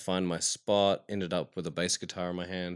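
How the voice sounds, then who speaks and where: In a very clean recording with a silent background, a man with a New Zealand accent speaks at a moderate pace. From New Zealand, Christchurch. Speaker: filmmaker. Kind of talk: casual chat.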